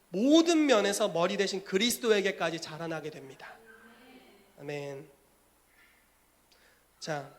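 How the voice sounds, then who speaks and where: A male pastor preaching a sermon in an animated way, acting out scenes as he goes. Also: high voice.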